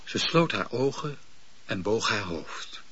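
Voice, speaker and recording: A man narrating a radio drama in a measured storytelling manner. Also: on the low side, expressive, pushed and bright, husky. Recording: dull, dry lo-fi old radio recording.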